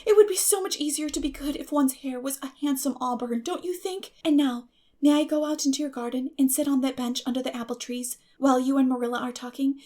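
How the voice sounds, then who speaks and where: A woman's voice: high-pitched, brisk, mellow, voice pushed up, natural voice. A woman voicing a dreamy, earnest, talkative young orphan girl in a gushing, dramatic audiobook reading. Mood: wistful, eager.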